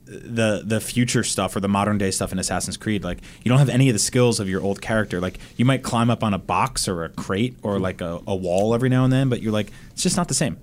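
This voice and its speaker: A male podcast panelist talks fast in a fairly low voice. The chat is informal, with some noise in the room. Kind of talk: casual chat.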